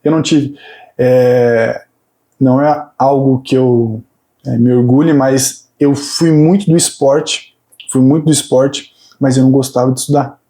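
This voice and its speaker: A man's voice: mid-range voice, fairly even intonation, measured pace, mellow. A man in his thirties, a fitness coach, talking earnestly about his path with many hesitant restarts. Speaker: fitness coach and PhD student guest. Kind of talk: casual interview chat.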